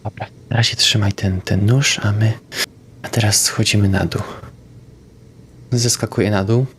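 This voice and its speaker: A man, a player in a tabletop roleplaying game, haltingly narrating his own moves. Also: on the low side, fairly even intonation, a bit bright, a little hiss or hum.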